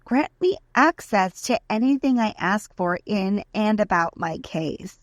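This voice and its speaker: A woman's voice: mid-range voice, expressive, dry recording, clean studio sound, natural voice. A woman giving a dramatic reading as an aggrieved, desperate defendant, indignant and emphatic as she pleads her case in a letter. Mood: indignant questioning. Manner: indignant, emphatic, deliberate list-like delivery.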